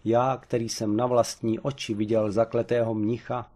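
A man's voice: mid-range voice, little pitch movement, a little mellow, natural voice. A man voicing a self-assured male expert on the supernatural who lectures in a dry, unruffled way in an audiobook. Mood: pedantic. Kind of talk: audiobook character voice.

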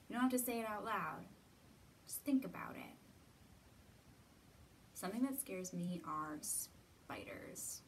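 A woman in her thirties gently guiding young children through a lesson, asking simple encouraging questions and pausing often. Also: a little high. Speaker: children's storytime host. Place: indoor library room with bookshelves. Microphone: camera a few feet away. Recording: distant mic, roomy ambient noise.

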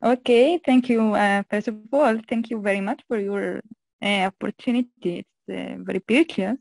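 Gravelly young woman from Jordan. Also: mid-range voice, moderate pace, a little mellow, no room sound. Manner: hesitant, polite. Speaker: student.

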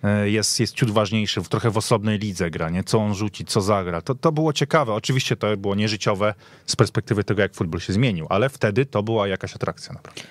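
Guy with a lowish voice talking football, emphatic and casual, no room echo. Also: fast talker. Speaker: football podcast guest. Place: radio studio.

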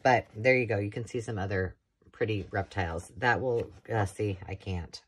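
With a bass voice carrying a breathy edge, a craft channel host speaks at a moderate pace. She's indoors at a craft table, rambling chattily through a show-and-tell of thrifted books with enthusiastic asides.

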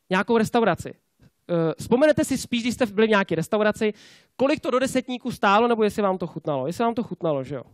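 A man with a high-pitched voice delivers a lively motivational sales talk at a conference. He keeps tossing rhetorical questions at the crowd and tags his points with quick checks for agreement. The sound is dry and close. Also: no echo. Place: conference stage before a live audience.

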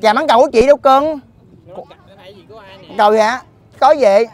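A man's voice: extremely high pitch, moderate pace. A man, joking and teasing his friends in playful, campy banter outdoors at a park. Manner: campy, playful, echoes others' jokes. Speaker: comedian in a group.

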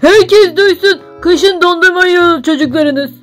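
A man's voice: very high-pitched, unhurried, a bit bright, faint music behind. A man voicing a whiny, complaining thief character in a game role-play.

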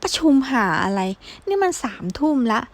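Blunt, foul-mouthed young guy, read by a woman for an audiobook, slightly high voice. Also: big pitch swings, normal speed, dry recording. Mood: gruff. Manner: blunt and crude-spoken. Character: brash young male architecture graduate, foul-mouthed. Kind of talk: audiobook character dialogue.

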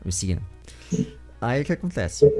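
A man in his twenties with a Brazilian accent, hosting a casual interview in an animated, rambling way, speaking into a close desk microphone at home. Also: mid-range voice, normal speed, music in the background. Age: 20s. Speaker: interviewer and show host. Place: small room with bookshelves at home. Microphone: large desk microphone with foam windscreen, close.

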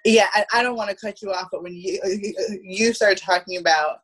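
A woman's voice: medium pitch, a little fast, fairly bright tone, slightly rough, low-quality recording. A young woman chatting casually as a guest on a video call, in a stop-start way, repeating words. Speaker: theatre producer, guest. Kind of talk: casual chat. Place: room at home.

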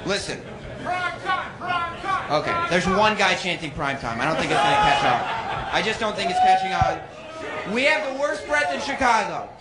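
A man working as a warm-up host on stage, bantering casually and teasing the people around him. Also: high voice, lively intonation, moderate pace, pauses often. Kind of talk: live crowd hosting, casual banter. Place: stage at a live event. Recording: live venue with crowd noise. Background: audience noise.

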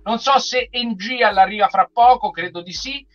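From a room at home, a middle-aged man runs a casual watch-along over a video call as host of a group livestream, joking and chatting. He's high-pitched with a fairly bright tone and a moderate pace. Music plays behind him on a dull, compressed stream.

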